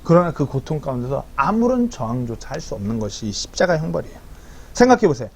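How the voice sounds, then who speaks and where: A man in his thirties preaching a sermon as pastor, acting out quotes in a lively way. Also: medium pitch, quick pace, gravelly, breathy edge. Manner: animated preaching with acted-out quotes. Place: church hall.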